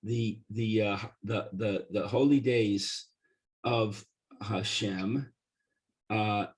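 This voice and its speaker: Hoarse man slowly reading scripture. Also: fairly low pitch, fairly even intonation. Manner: halting, repeats words while reaching for a translation. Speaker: study partner. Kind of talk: reading verses aloud and translating. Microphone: video call.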